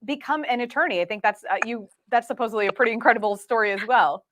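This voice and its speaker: Higher-voiced woman morning show co-host. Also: quick pace, a bit bright, slight background noise. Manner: rambling questions with fillers. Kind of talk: morning TV interviewing.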